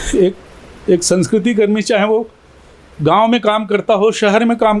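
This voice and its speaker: At a moderate pace, a man speaks at a high pitch. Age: 60s. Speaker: theatre artist. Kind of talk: news interview soundbite.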